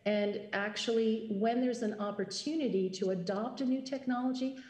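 Measured woman panelist in a roomy hall. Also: fairly high pitch, a little mellow. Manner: measured, with frequent um and uh fillers. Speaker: panelist, logistics executive. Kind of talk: panel discussion answer. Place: conference stage.

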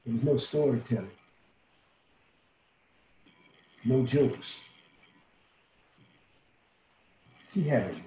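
An actor in his sixties playing a dying, world-weary old bar owner in a folksy, salty, intimate dramatic monologue. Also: sits high. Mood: weary, resigned. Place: small room at home, indoors. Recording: roomy home webcam audio, faint hiss.

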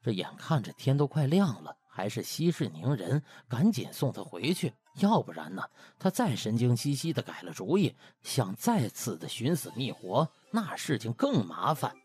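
Male audiobook narrator, colloquial and dramatic. Very wide intonation, slightly rough husky tone, soft music behind. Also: medium pitch, wildly swooping pitch, moderate pace, few pauses.

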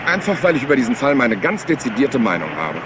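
An actor playing a rumpled, apologetic yet stubbornly probing police inspector in a German crime drama, hesitant and folksy. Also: male voice, medium pitch, very animated, quick pace, background noise, natural voice. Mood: insistent, puzzled. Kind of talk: German crime drama dub, conversational acting.

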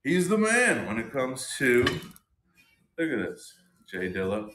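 A man in his thirties, hosting a casual product showcase of hip-hop jewelry and toys, talking with excited, slangy enthusiasm. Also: medium pitch, slow pace, roomy sound. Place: small indoor room with shelves and posters.

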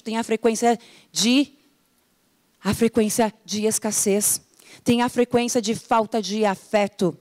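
Animated high-voiced woman coach. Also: no room sound, studio quality. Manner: animated, acts out complaints in quick mock voices. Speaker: coach and teacher. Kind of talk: motivational talk.

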